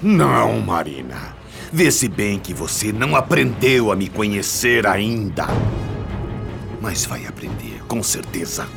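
Deep, menacing Brazilian patriarch. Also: male voice, very animated, slow, creaky, over music, heavily acted. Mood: mocking, cruel. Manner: domineering, mocking, theatrical. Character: possessive, menacing older father-in-law obsessed with a young woman. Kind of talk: radio soap opera acting.

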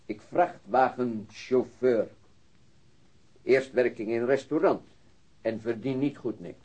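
Trage buitenlandse arbeider met gebroken Nederlands. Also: male voice, mid-range voice, warm tone, slightly rough. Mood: plain, matter-of-fact. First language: not Dutch. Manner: halting, broken grammar, searching for words. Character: foreign immigrant truck driver with halting broken speech. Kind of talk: radio drama acting. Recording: dull, band-limited radio recording.

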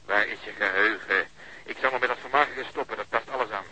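Sharp, fast-talking wisecracking cop. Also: male voice, fairly low pitch, breathy edge, exaggerated voice, low-quality recording. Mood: sardonic. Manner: sardonic, joking. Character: wisecracking male policeman on surveillance, cheerfully sardonic. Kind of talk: naturalistic radio drama dialogue.

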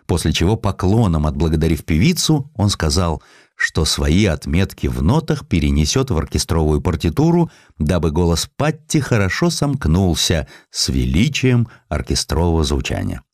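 A man narrating a scripted literary story as an audiobook reader, in an expressive storytelling style. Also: deep voice, moderate pace, dry recording, clean studio sound.

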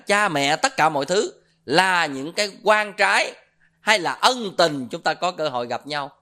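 A Buddhist preacher delivers a dharma sermon at a middling pitch. The speaker keeps putting questions to the listeners and repeats filler words while searching for the next phrase. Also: fairly bright tone. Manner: asks the audience rhetorical questions.

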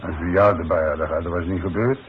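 A man's voice: deep voice, fairly even intonation, fast talker, close to an everyday voice. An actor playing a plain-spoken, worried demolition foreman in a 1960s radio play, talking in blunt, colloquial working-man's language. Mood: worried, coaxing. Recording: muffled, noisy 1960s radio recording.

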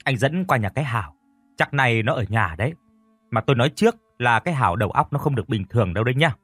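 A man's voice: medium pitch, animated, quick pace, breathy edge, no room sound, faint music behind. A man doing a firm older village man. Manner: firm, calls out loudly across the fence. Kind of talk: storytelling.

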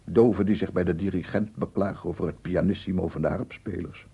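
A male actor playing an embittered, obsessive amateur inventor in a radio drama monologue, husky and halting, swinging between muttering to himself and grandiose declamation. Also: deep voice, steady tone, full character voice. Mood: bitter, aggrieved. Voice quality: husky, gravelly, often dropping to breathy murmur. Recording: muffled phone-like old radio recording.

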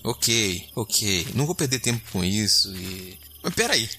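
A man's voice: lowish voice, very animated, measured pace, sharp tone, slight background noise, full character voice. A man playing a nervous, skeptical space explorer captain in an audio drama, grumbling and stammering when alarmed.

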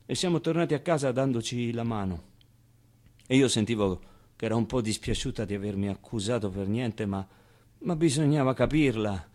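An actor playing a streetwise, tender orphaned Muslim boy in a theatrical monologue, confiding in the audience in a halting, colloquial way. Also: medium pitch, a little mellow, lightly acted. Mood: tender, reflective.

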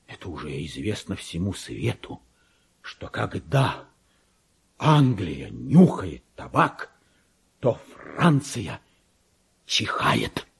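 Radio drama casting: deranged petty clerk with royal delusions; husky, theatrical, deliberate pacing with huge swings in pitch. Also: male voice, huge pitch swings, exaggerated voice. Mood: conspiratorial, suspicious. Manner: theatrical, volatile, swinging from hushed muttering to anguished outcry. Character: deluded, tormented madman clerk who believes himself king. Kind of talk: dramatic radio monologue reading of classic literature.

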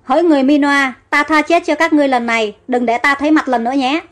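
A woman's voice: high voice, fairly even intonation, fast, natural voice. Izumin, a woman voicing a haughty young prince.

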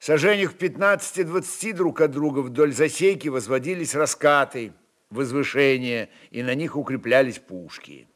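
A man narrating historical fiction in a measured, expressive, deliberate way. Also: medium pitch. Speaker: narrator reading a literary work. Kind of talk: dramatic literary narration of a historical novel.

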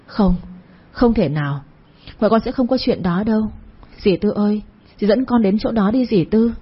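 A woman's voice: mid-range voice, moderate pace, slightly rough, dull audio. A woman voicing a grief-stricken young village woman who pleads and talks through her distress. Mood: pleading.

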